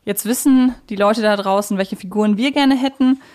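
A woman's voice: mid-range voice, normal speed, darkish tone. A woman hosting a podcast, chatting casually about fictional characters in a conversational discussion. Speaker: podcast host.

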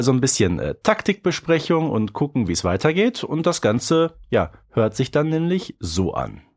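Male podcast co-host, mid-pitched with lively swings, casual, playful, opinionated commentary. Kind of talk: casual review chat.

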